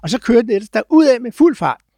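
Guy with a pretty high voice spinning expedition stories, stops and goes, really dry mic. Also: dry recording. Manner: halting, many filler sounds; lively, acts out chants and sounds. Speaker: guest explorer. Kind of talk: animated storytelling.

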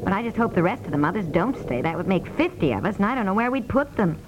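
A woman's voice: mid-range voice, animated, fast talker, muffled recording, natural voice. A woman playing a fretful, harried mother with a flustered manner in a 1950s radio comedy. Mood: worried. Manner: flustered, exasperated. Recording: noisy, hissy 1950s radio recording.

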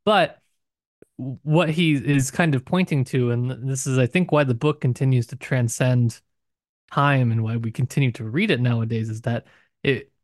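A man's voice: mid-range voice, fairly even intonation, normal speed, dry recording, studio quality. A man co-hosting a podcast book discussion, talking in an earnest, explanatory way. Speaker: podcast co-host.

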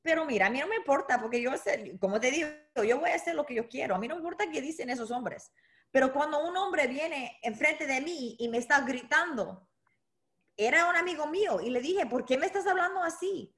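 A woman with a high voice speaks as an interview guest. She coaches boxing and tells her story haltingly, restarting phrases and mixing in English words. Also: lively intonation, fairly bright tone. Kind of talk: conversational interview.

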